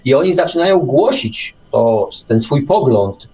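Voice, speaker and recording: A man's voice: medium pitch, big pitch swings, a little slow, a little mellow, poor audio. An older man in casual radio discussion, arguing his points with irony. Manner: argumentative, ironic. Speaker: radio show speaker.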